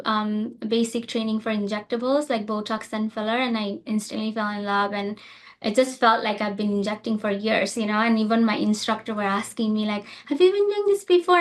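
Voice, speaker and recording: A woman's voice: on the high side, fairly even intonation, normal speed. A woman from Nepal, a nurse practitioner, answering interview questions casually with many fillers and restarts.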